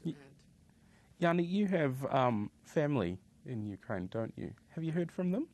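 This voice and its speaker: Lively-voiced male interviewer. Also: on the high side, moderate pace. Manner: searching for words, restarts. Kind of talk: tv interview questions.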